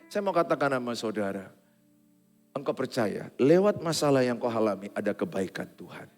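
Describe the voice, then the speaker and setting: A male pastor preaching a sermon, moving from joking banter to soft, tearful pleading. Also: medium pitch, very animated, moderate pace. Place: church sanctuary. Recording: long reverb of a church hall. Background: faint guitar playing.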